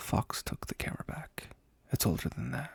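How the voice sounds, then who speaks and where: Someone whispers at a moderate pace. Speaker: ASMR creator reading a book aloud. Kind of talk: audiobook-style reading. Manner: soft-spoken.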